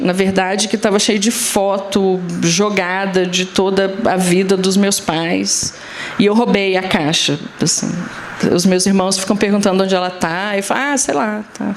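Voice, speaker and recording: A woman speaks at a moderate pace with a medium pitch and very even loudness. Noticeable background noise and audible room echo surround her voice. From northern Brazil. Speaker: photographer. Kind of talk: talk to an audience.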